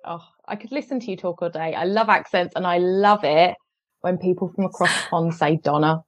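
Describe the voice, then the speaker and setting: A woman's voice: on the low side, brisk, no room sound, highs cut off. A woman in her thirties with an East Midlands English accent, hosting a podcast interview with bubbly enthusiasm. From England. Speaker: podcast host. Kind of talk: casual interview chat.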